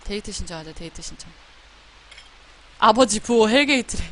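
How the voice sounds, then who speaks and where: A woman's voice: mid-range voice, animated, brisk, a bit bright, a little hiss or hum. A woman streaming a life-simulation game, chatting playfully, scolding her characters and reading the story text aloud. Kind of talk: live-streamed game commentary.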